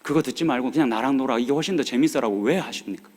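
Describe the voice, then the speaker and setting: A man in his forties preaches a sermon in a church sanctuary, speaking in a regional dialect at a middle pitch. His delivery is earnest and pleading as he exhorts the congregation. His voice carries a long reverb from the large hall. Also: rapid-fire. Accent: Korean regional dialect. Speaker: pastor.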